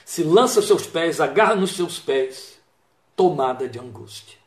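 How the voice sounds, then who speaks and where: A man's voice: fairly high pitch, expressive, measured pace, echoey room. A man preaching a sermon, retelling a Bible story with quoted dialogue and reflective asides.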